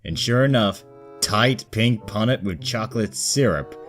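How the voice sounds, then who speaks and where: A man's voice: on the low side, lively intonation, measured pace. A man narrating scripted comedic fan fiction as a storyteller, with music behind him. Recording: background music under the voice.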